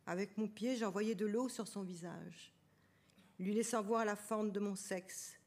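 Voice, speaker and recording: A woman reading a first-person memoir aloud on a literary stage, measured and intimate. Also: mid-range voice, darkish tone. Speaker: reader of a memoir.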